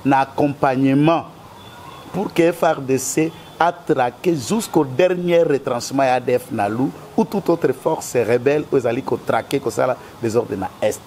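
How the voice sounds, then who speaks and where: A man's voice: mid-range voice, moderate pace, darkish tone, a little hiss or hum. A man with a Congolese French accent, a guest in a political interview, speaking in an emphatic, argumentative way.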